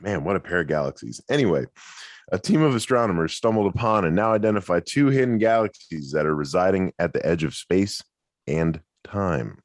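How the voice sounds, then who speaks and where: A man's voice: low voice, animated, fairly quick, dry recording, clean studio sound. A man hosting a casual comedy podcast, joking and then reading science news aloud, sometimes stumbling over hard words. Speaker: podcast host. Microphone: video call.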